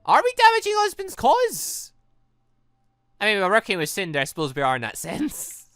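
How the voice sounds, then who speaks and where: An excitable let's play host who rambles through reactions to a visual novel. The voice is bright and very animated in pitch, with a dry sound and little room. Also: moderate pace, dry recording. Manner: excitable, rambling, stumbling commentary. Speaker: gaming video host.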